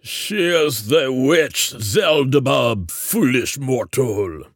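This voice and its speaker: A man's voice: medium pitch, expressive, drawn-out words, vocal fry, dry recording, studio quality, voice pushed up, full character voice. A man voicing a haughty, bullying ghoulish underling in a storybook, with a growling, commanding delivery.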